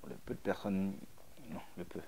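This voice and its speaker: A middle-aged man, a DJ guest, answering interview questions in a joking, blunt way, with many fillers and pauses. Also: deep voice, level tone, gravelly, dark tone, a little hiss or hum. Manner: jokey, blunt, hesitant with fillers. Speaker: DJ and producer guest.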